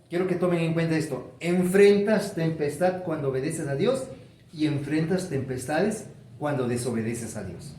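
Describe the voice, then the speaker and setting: A man's voice: a little high, echoey room, background noise. A man preaching a sermon, stretching key words and building emphasis. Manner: preaching with rising emphasis and drawn-out stresses. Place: church sanctuary.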